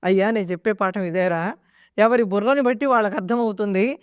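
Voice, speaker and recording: A woman voicing a wise old male teacher who patiently explains a lesson to his pupil, in a smooth voice. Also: medium pitch, fairly quick, no room sound, natural voice.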